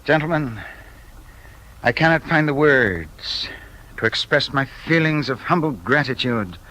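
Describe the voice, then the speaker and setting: Brash American investigator, mid-pitched, bright voice, folksy and halting, vintage radio drama. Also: male voice, expressive, poor audio. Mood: eager. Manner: folksy, hesitant with many ums. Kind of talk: 1950s radio drama acting.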